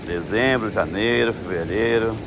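A man's voice: on the low side, measured pace. Chatty Brazilian man on a windy beach. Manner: chatty, coaxing viewers to like and share. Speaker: tour guide vlogger. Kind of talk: casual vlog talking to viewers. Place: outdoors on a windy beach at the water's edge. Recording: outdoor wind and surf noise. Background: waves and wind.

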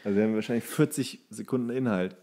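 A man's voice: lowish voice, racing, mellow. A man in his thirties co-hosting a podcast, speaking in casual, colloquial chat. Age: 30s. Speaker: podcast co-host.

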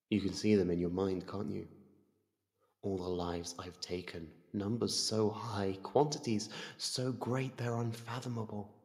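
Man voicing a slow, menacing ancient void entity. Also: fairly low pitch, a little mellow. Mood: gloating, solemn. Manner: slow, deliberate, condescending. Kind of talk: ASMR monologue roleplay. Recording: cavernous long reverb.

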